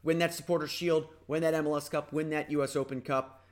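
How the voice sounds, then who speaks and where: Man, slightly raspy, energetic podcast host, rambling, higher voice. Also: a little fast. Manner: energetic, rambling with restarts and fillers. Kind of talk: casual sports podcast talk.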